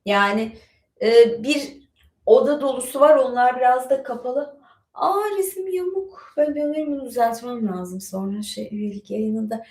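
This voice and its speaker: A woman's voice: on the high side, normal speed, darkish tone. Chatty woman with an echoey studio sound. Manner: chatty, digressive, many fillers. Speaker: streamer reading and chatting. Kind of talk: casual live-stream chat and reading aloud. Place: home studio with bookshelves.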